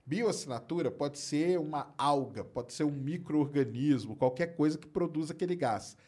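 A man with a Brazilian Portuguese accent, explaining space science in a relaxed, chatty way while he answers viewer questions. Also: a little high, normal speed, slightly rough. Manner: relaxed, explanatory, tags phrases with "né" and "cara". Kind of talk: casual live-stream chat.

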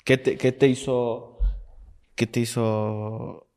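A man's voice: medium pitch, flat delivery, takes it slowly, a little mellow. A man hosting a podcast, prompting his guest with short questions. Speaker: podcast host. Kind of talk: interviewing a guest.

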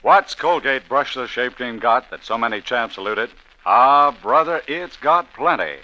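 Peppy ad announcer guy, bouncy bright voice, old dull radio sound. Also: mid-range voice, lively intonation, normal speed. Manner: breezy, punchy salesman. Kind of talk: radio commercial.

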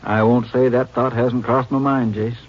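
An actor playing a plainspoken small-town sheriff in a 1950s radio western, with a folksy way of talking. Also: male voice, mid-range voice, flat delivery, moderate pace, close to an everyday voice. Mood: musing. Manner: folksy, colloquial. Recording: muffled, hissy old radio recording.

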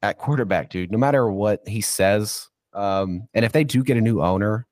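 A man speaks as a football insider on a podcast, in a lowish voice that sounds stuffy and congested, as if he has a cold. He rambles into long, loose rants and throws in a casual "dude" along the way. The sound is dry and close, with no room around it. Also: normal speed, a little mellow, no echo.

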